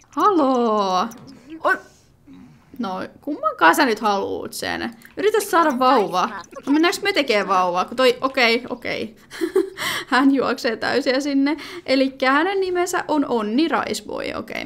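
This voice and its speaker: A woman talks her way through a video game in a casual, rambling commentary. Her voice sits on the high side and swings widely in pitch. She fills gaps with hesitations and breaks off into sudden exclamations. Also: a bit bright. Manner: chatty, thinking aloud with many fillers and sudden exclamations. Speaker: gaming video creator.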